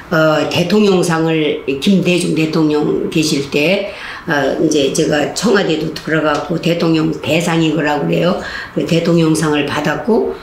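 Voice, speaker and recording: In an echoey hall with a little faint noise, an older woman who is a Catholic nun delivers a laughter-therapy talk full of lively stories. She performs the voices of the inmates and guards in them, leaping dramatically in pitch.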